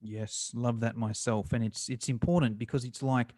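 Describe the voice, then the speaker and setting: An enthusiastic Australian man hosting a podcast interview, chatty with quick restarts. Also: medium pitch, fairly even intonation, darkish tone, no echo, clean studio sound. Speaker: podcast host. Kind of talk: casual interview chat.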